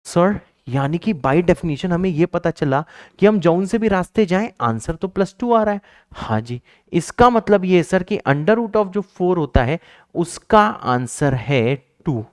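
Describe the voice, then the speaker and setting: A man's voice: high voice, lively intonation, measured pace, pitched above the performer's own voice. A man voicing an eager young male student who earnestly asks his teacher questions.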